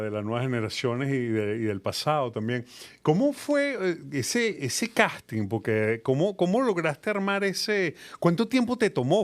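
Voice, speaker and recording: A man interviewing a guest, asking questions in a halting, restarting way. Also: medium pitch.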